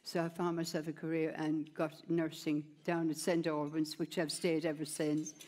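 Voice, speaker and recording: A woman's voice: low voice, flat delivery, normal speed, mellow. An older woman, speaking as a guest in an onstage interview in a plain, rambling way, often adding "you know", on a headset mic. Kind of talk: onstage conversation, personal story. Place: stage at a large gala, indoors.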